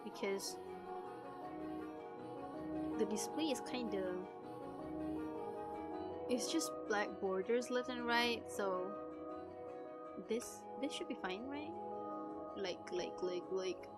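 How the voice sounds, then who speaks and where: A woman streamer voicing a visual novel talks slowly in a mid-range voice with long pauses, music playing behind her. She chats casually on the livestream, muttering to herself, exclaiming and dropping in Japanese phrases.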